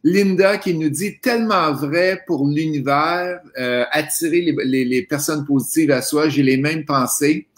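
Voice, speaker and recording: Quebecois host guy reading comments, talks slow and relaxed. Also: fairly high pitch. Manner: reads out viewer comments, relaxed. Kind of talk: casual interview chat.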